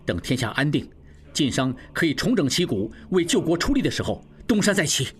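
A man's voice: on the high side, sing-song, fairly quick, slightly rough, full character voice. A man voicing a solemn, righteous banker. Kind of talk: audiobook character voicing.

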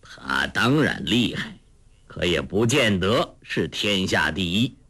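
A man voicing a gruff old beggar master. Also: very animated, slow pace, bright, forceful tone, no echo, full character voice. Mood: cool. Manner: low, gruff, chuckling.

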